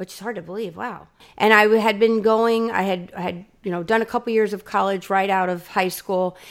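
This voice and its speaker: A woman talks at a fairly quick pace in a plain, everyday voice. Her pitch is medium, and the recording is very clean with a silent background. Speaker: podcast host. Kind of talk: casual interview chat.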